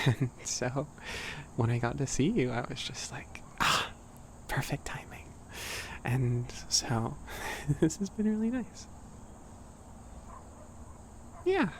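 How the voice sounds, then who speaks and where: A young man voicing a sweet, shy giant cat boy in a soft, near-whispered ASMR roleplay, chatting gently and hesitantly to a small friend. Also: mid-range voice, expressive, takes it slowly. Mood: warm, reluctant farewell. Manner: gentle, hesitant, rambling, apologetic. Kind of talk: ASMR roleplay, casual chat to listener.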